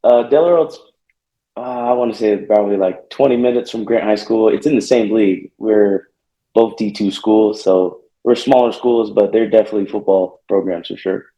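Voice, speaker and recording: A young man from Northern California, a college football player answering interview questions, soft-spoken and hesitant with many fillers. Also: fairly low pitch, fairly even intonation, moderate pace. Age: young adult. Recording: echoey, muffled remote call line.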